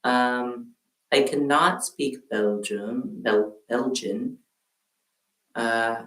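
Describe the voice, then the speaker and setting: A man streaming a relaxed crafting session from home, chatting with viewers in a halting way while he works. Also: medium pitch, gravelly, distant mic. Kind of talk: casual crafting livestream chat. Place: room at home, quilt behind. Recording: roomy sound from off-mic.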